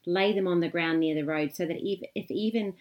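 An upbeat woman hosts a short Bible story for children, telling it with eager enthusiasm. Her voice sits a little lower than most women's. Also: a little fast, muffled recording. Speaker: host.

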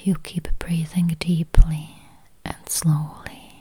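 A woman guiding a meditation in a soft whisper, counting and repeating slow, gentle phrases. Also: low-pitched, level tone, breathy edge. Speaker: meditation guide. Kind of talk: guided meditation.

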